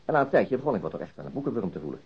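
An actor playing a stubborn, dry-humoured middle-aged police detective in a Dutch radio drama, wry and self-interrupting. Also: male voice, on the low side, sing-song, racing, creaky, breathy edge, heavily acted. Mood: animated, wry. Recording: muffled archived radio drama recording.

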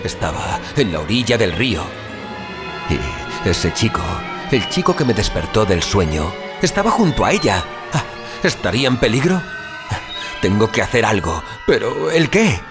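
A man performs a dazed, desperate survivor telling his own story in an audio drama. The voice is on the low side and swings widely in pitch, with theatrical gasps and exclamations. Music plays clearly behind the anguished narration. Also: very animated, moderate pace. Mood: pained, distressed. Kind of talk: dramatic first-person audio fiction narration.

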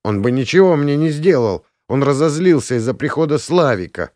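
A man's voice: a little high, expressive, fairly quick, darkish tone, no echo, studio quality, pitched above the performer's own voice, natural voice. Man doing a tearful drunk young woman. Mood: defensive.

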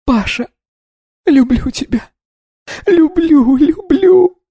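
A man's voice: extremely high pitch, slow pace, dark tone, dry recording, clean studio sound, voice pushed up, full character voice. A man voicing a hysterical young woman in an audio story, wailing and sobbing through her grief. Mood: desperate.

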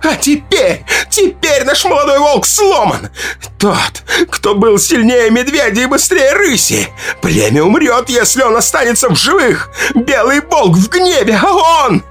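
A man's voice: very animated, unhurried, a bit bright, faint music behind, full character voice. Ita, a man doing a shrieking tribal herbalist woman. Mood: frantic. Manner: screaming accusations, shrill and wild.

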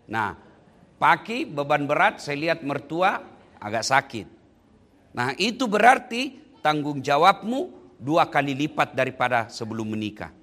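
A man giving a lively, jokey wedding sermon and speaking straight to the couple and the guests. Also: on the high side. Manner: lively, jokey, addresses listeners directly. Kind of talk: humorous sermon. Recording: long hall reverb.

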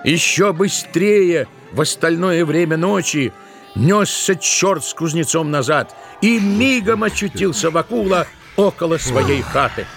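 A man narrating a literary tale for an audio play, expressively, with drawn-out emphatic words. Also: on the high side, lively intonation, vocal fry, a bit bright, faint music behind.

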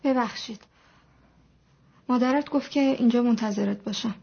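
A woman's voice: fairly high pitch, creaky, husky. An actress playing an anxious young wife who pleads earnestly for her husband's rights, in a dull lo-fi recording. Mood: pleading. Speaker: actress in a TV drama.

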